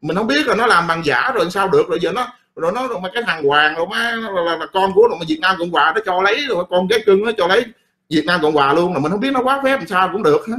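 Fast-talking blunt man. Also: sits high, lively intonation, sharp tone. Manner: blunt, profane, rambling. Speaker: political commentator. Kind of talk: casual political rant.

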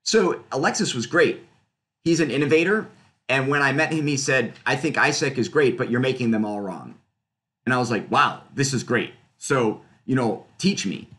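A middle-aged physics researcher walks through his slides on a webcam call from a room in his home. His pitch rises and falls a great deal as he explains, and his tone is expressive and fairly bright. He talks casually, using fillers and correcting himself quickly.

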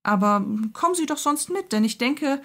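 A woman's voice: high-pitched, lively intonation, moderate pace, fairly bright tone, voice pushed up. A woman voicing a nervous, hesitant young male footman who stammers. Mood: hurried.

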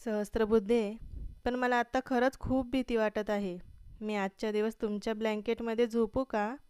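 A woman's voice: on the high side, level tone, moderate pace, a little mellow, clean tone, dry recording, clean studio sound, lightly acted. A woman voicing a timid, easily frightened young wife who pleads in a fearful way. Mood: pleading.

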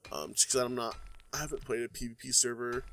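A man's voice: medium pitch, fairly even intonation, quick pace, pushed and bright, slight background noise. A young man with a congested, stuffy voice, chatting casually while playing a building game, full of ums and uhs. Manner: rambling, many ums and uhs. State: congested from a cold. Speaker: gaming YouTuber. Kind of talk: casual let's-play commentary.

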